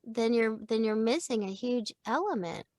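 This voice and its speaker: A middle-aged woman, a voice-over teacher, chatting in an interview in an animated way, laughing often and acting out example lines. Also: on the high side, moderate pace, no room sound, clean studio sound. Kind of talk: casual interview chat.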